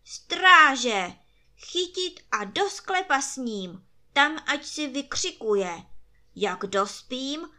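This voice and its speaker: A woman's voice: high-pitched, lively intonation, sharp tone, voice pushed up, exaggerated voice. A woman voicing a grumpy, sleep-deprived emperor in a storybook tale who barks orders at his guards. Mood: exasperated. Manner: barking orders.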